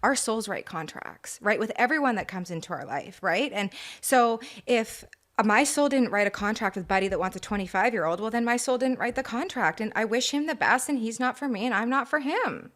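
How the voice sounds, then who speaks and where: A woman's voice: fairly high pitch, expressive, brisk, a bit bright. A woman guest on a podcast, talking candidly and emphatically about her life and beliefs. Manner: candid, emphatic, spiritual talk. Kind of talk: casual interview chat.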